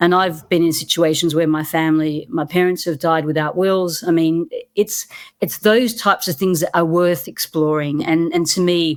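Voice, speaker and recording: The recording is very clean, with a silent background. A woman speaks at a fairly low pitch with fairly even intonation. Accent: Australian. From Australia. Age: 50s. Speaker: wealth-building programme member. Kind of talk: podcast interview.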